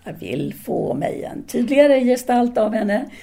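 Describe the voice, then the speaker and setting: An actress playing a self-possessed, candid intellectual lover of the 1930s in an audio drama, speaking formally and deliberately. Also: female voice, fairly high pitch, big pitch swings, vocal fry, dark tone, exaggerated voice. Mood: cool, candid. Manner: formal address, deliberate phrasing. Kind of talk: audio drama dialogue, intimate phone conversation.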